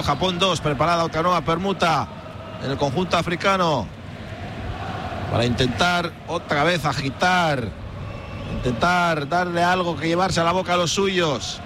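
A man calls a football match live, his slightly high voice rattling off passes and corners in fast bursts as play builds. A steady hum of noise sits beneath the broadcast. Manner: rapid-fire calls in bursts during action. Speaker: play-by-play commentator. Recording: noisy broadcast with background hum.

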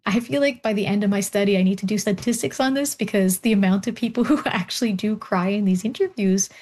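A woman historian speaks as an interview guest, recounting family stories with animation. She talks openly and laughs easily, her voice at a middle pitch. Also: fast talker. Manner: warm, animated storytelling, laughs often.

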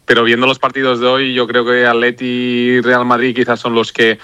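A man's voice: mid-range voice, monotone, normal speed, bright, forceful tone, clear, resonant tone, no echo, highs cut off. A man on a sports radio panel, confident and firm in his predictions.

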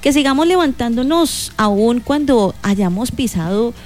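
A woman's voice: a little high, expressive, a little slow, soft background music. A woman co-hosting a morning radio show, speaking in an encouraging way about blessings and good wishes. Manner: warm, uplifting, speaks of blessings. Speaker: radio co-host. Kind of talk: casual morning radio chat.

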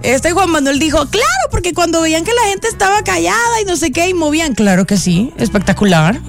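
A Colombian woman co-hosting morning radio, gushing excitedly about a concert. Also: very high-pitched, fairly quick, creaky, faint music behind. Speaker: radio co-host. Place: radio studio.

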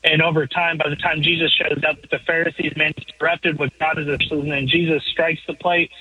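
A caller's voice comes through a muffled, dull phone line that keeps breaking up and chopping the ends off his words. He is a man with a slightly higher, husky voice. He talks in an earnest, long-winded way, restarting his sentences as he goes. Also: level tone, moderate pace, bright, forceful tone, no room sound. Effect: phone line breaking up, words cutting out. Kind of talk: call-in question on a radio show.

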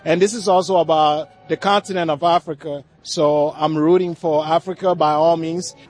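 Ghanaian male fan, measured. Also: on the high side, steady tone, faint music behind. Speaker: fan at fan festival.

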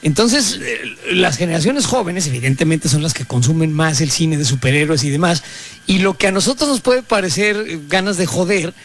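A man's voice: a little high, normal speed, a bit bright. A man in his fifties with a Mexican accent, hosting crude comedic radio banter in a casual, slangy way. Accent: Mexican Spanish. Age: 50s. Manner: casual, swearing, slangy, laughing. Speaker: radio show host.

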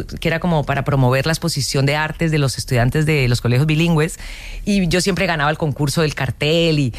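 Colombian actress recounting her career. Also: low-pitched. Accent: Colombian Spanish. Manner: animated storytelling, frequent restarts and lists. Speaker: actress, interview guest. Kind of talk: casual interview conversation.

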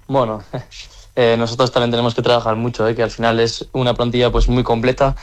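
A young handball player from the Country, answering interview questions casually, with lots of hesitant fillers. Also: male voice, medium pitch, level tone, brisk. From French Basque Country.

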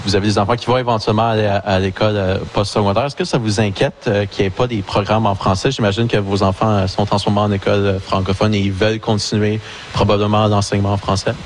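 A man working as a radio field reporter, asking live interview questions with halting, stumbling phrasing. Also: fairly low pitch, flat delivery, a little hiss or hum.

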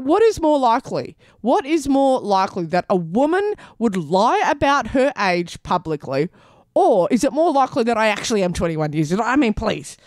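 A woman's voice: fairly high pitch, darkish tone, dry recording. Aussie lady radio host in her 30s, joking around, voice bouncing all over, dry studio sound. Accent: Australian. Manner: playful, self-mocking, laughs often. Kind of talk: community radio chat and weather read. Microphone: studio microphone.

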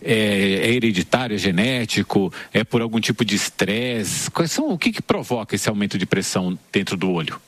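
A man's voice: on the low side, expressive, fairly quick, few pauses, a bit bright, no room sound. A man hosts a radio interview and asks his questions in several parts. His voice is close and dry, with no room sound.

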